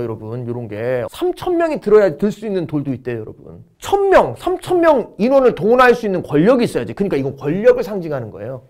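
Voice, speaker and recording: A middle-aged man teaching an exam-prep history lecture, playful and animated, acting out little skits to help students memorize. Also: fairly high pitch.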